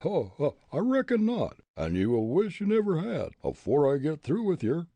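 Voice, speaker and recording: A man voicing a loud, boastful backwoods ruffian who talks in a blustering drawl. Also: on the high side, wildly swooping pitch, normal speed, no echo, pitched above the performer's own voice, exaggerated voice.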